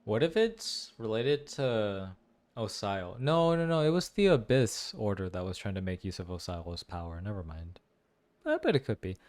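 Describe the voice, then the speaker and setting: A man's voice: lowish voice, normal speed. A man giving exclamatory reaction commentary on a game story, musing aloud as a gaming content creator. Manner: animated, exclamatory, muses aloud.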